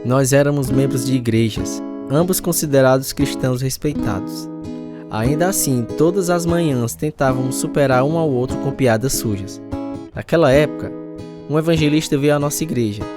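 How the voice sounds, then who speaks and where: A man's voice: medium pitch, normal speed, close to an everyday voice. An actor playing a troubled, repentant man telling his own story as a dramatised radio testimony. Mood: reflective. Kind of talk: first-person dramatised testimony narration. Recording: music behind the voice.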